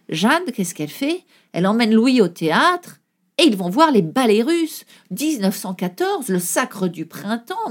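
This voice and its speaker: A woman, a guest in an interview, pours out anecdotes with relish. Her storytelling is vivid and full of exclamations, and her voice sits at a middle pitch. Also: darkish tone.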